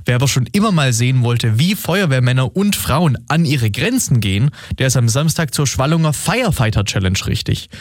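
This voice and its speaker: Lively man radio reporter. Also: medium pitch, brisk, dry recording, studio quality. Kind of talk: studio report chat. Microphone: studio microphone.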